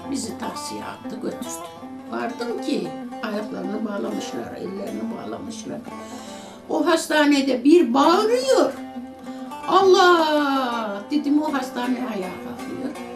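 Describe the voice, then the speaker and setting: A woman's voice: on the high side, lively intonation, measured pace. An older woman tells a personal story in an interview and acts out the voices of the people in it. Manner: vivid retelling that acts out quoted voices. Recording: echoey room with music underneath.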